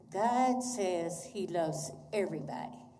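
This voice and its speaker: A woman speaks at a medium pitch with lively intonation. The room echo is audible and background noise is noticeable. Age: 80s+. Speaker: public commenter at city council. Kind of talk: public comment speech. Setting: city council chamber.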